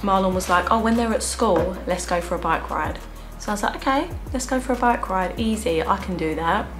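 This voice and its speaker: A woman's voice with music in the background. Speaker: vlogger. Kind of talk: casual vlog chat. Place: home room. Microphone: camera far.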